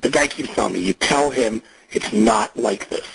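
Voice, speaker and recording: A man on a recorded jail payphone call, coaching and reassuring the caller in a profane, steady way. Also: mid-range voice, normal speed, creaky, breathy edge, rough recording. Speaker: agent on a phone call.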